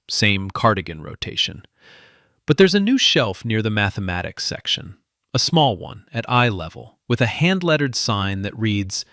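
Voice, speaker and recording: A man's voice: on the low side, a bit bright, no echo, studio quality. Man narrating a story in dramatic phrases.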